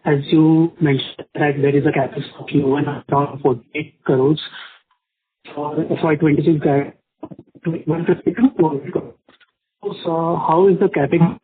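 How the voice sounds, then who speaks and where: A man's voice: on the high side, steady tone, unhurried, slight background noise. Direct a man calling in as an analyst, asking polite, formal questions while his line keeps breaking up into choppy fragments. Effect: breaking-up, choppy phone line audio. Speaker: analyst caller on an earnings call. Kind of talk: conference call question. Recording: tinny, distant phone line.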